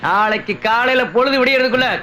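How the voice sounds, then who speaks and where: An actor playing a menacing village thug who barks threats and orders in a film. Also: male voice, very high voice, steady tone, fast, noisy background. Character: menacing male village thug, brutal and bullying.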